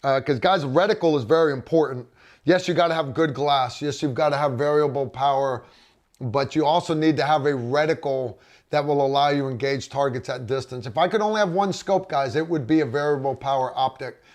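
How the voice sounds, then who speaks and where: A man's voice: medium pitch, brisk. A middle-aged man hosting a casual livestream, reading viewer comments and rambling with frequent restarts. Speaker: livestream host.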